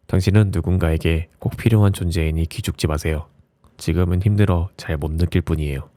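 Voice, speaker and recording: A man with a low voice reads reflective essays as an audiobook narrator, in a soft ASMR style with a gentle, soothing bedtime delivery. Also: fairly even intonation, brisk, no room sound. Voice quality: low, mellow voice.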